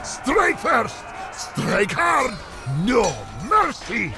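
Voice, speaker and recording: Grizzled, battle-crazed warrior for a fantasy war game. Gritty, bombastic, swinging wildly in pitch, with drawn-out delivery. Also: male voice, very animated, heavily acted. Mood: fierce, triumphant. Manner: bombastic, taunting, theatrical war cries. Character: grizzled, fierce, battle-crazed male desert-empire soldier. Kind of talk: shouted video game battle barks. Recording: game music behind.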